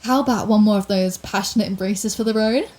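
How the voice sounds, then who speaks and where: A woman playing a proud, sardonic telepathic villain with a secret soft side, in a theatrical, wry manner for an intimate ASMR roleplay. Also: mid-range voice, brisk, close to an everyday voice. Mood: grudging, teasing. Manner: theatrical, wry, flustered denials, grand pronouncements.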